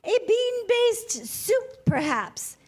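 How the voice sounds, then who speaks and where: A woman playing a pompous antiques appraiser, formal and measured, in a comedy staged reading. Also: extremely high pitch, very animated, full character voice. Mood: coolly dismissive.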